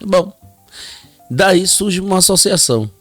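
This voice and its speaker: A man's voice: high-pitched, lively intonation, a little slow, a bit bright, no echo, soft background music. Chatty, joking Brazilian male host. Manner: joking, chatty, laughs often. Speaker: podcast host. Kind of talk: casual interview.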